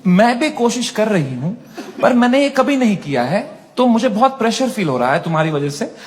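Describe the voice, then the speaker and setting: A man quoting an anxious young female guest in a soft, pleading, hesitant voice, recorded live on stage. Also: sits high, very animated, fairly quick. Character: anxious young woman guest, tearful, self-doubting. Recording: live stage with crowd and noise.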